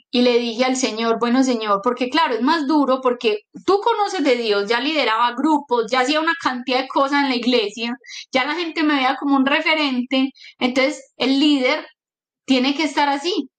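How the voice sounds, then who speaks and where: Lady, middle-aged, pouring out her faith testimony, kinda high voice, heartfelt. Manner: emotional, earnest storytelling with quoted dialogue. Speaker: guest giving a testimony.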